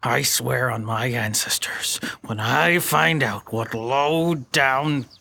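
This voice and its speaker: An actor playing a blustering, vain river captain turned adventurer in an audio drama, pompous and exclamatory. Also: male voice, medium pitch, slow pace, creaky, bright, forceful tone, a little hiss or hum, full character voice. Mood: indignant. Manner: pompous, exclamatory, old-fashioned turns of phrase.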